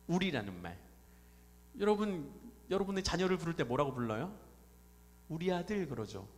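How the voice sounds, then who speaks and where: A man preaching on Sunday speaks briskly in a fairly high, sing-song voice, talking conversationally and putting questions to the people in the pews. The recording carries the reverb of the church hall where he stands.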